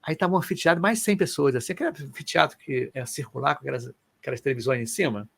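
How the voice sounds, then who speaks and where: A middle-aged man from Rio de Janeiro, telling personal stories in an animated, colloquial way as co-host of a casual chat. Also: mid-range voice, quick pace, creaky, breathy edge, no echo. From Brazil. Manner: animated, colloquial, emotional storyteller.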